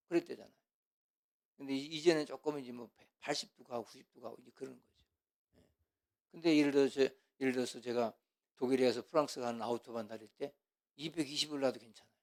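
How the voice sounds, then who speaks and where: A man preaches in an animated lecture style, firing off rhetorical questions. His delivery swings between loud stretches and hushed asides. His voice sits at a middle pitch. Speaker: pastor. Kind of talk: sermon lecture.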